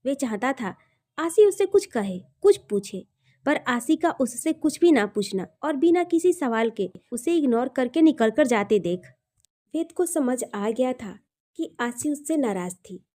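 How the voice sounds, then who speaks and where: A woman storyteller reads a scripted romantic audio drama. Her voice is high and soft-toned, with a mellow edge and very lively, melodic movement in pitch.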